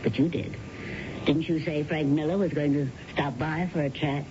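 An actress as a genteel, solicitous wife in 1970s radio drama. Her delivery is measured and theatrical, polite with suspicion underneath. The old broadcast sounds dull and clearly noisy. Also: low voice, fairly even intonation, close to an everyday voice. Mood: sweetly probing. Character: genteel wife, outwardly sweet, quietly suspicious of husband.

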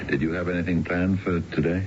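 An American actor playing a self-indulgent middle-aged husband in a radio drama, with a gravelly voice. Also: male voice, low-pitched, level tone, normal speed, natural voice. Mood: genial, weary. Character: aging husband smitten with a younger woman, self-indulgent. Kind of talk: 1970s radio drama acting. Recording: dull, noisy old radio recording.

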